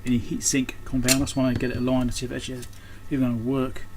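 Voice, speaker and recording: A man's voice: mid-range voice, completely flat delivery, very fast. A man giving casual, unscripted hands-on repair commentary, thinking aloud as he works. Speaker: host of an electronics repair channel. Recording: clearly noisy background.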